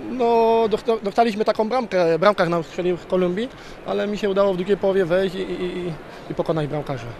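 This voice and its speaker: A man in his forties, a former footballer, reminisces into a handheld microphone on a stadium pitch. His voice is high for a man, and he restarts words now and then. Clear stadium noise runs behind him. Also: fairly quick. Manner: relaxed, reminiscing, with stammered restarts. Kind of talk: outdoor interview. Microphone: handheld reporter microphone.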